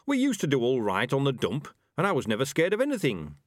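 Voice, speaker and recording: A man voicing a gruff, pompous old male rat leader in a storybook, growling and grumbling sharply. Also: medium pitch, wildly swooping pitch, quick pace, no echo, clean studio sound, pitched above the performer's own voice.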